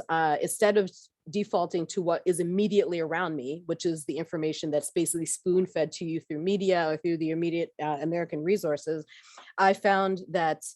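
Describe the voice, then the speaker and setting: A woman's voice: low-pitched, a little mellow, no echo, clean studio sound. A middle-aged woman from Barbados giving a conversational workshop talk about her background, with frequent fillers and restarts. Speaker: workshop speaker.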